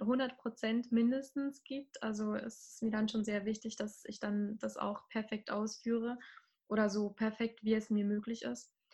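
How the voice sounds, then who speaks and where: A woman's somewhat breathy, fairly high voice, fairly slow and monotone with flat intonation. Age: 20s. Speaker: trainee nurse. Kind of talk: personal testimony in interview. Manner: hesitant, many filler sounds.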